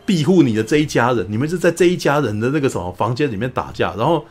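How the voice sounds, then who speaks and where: A man's voice: medium pitch, lively intonation, fast, a little mellow. A man, chatting casually as a podcast co-host, rambling and laughing with mild swearing. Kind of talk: casual movie review chat.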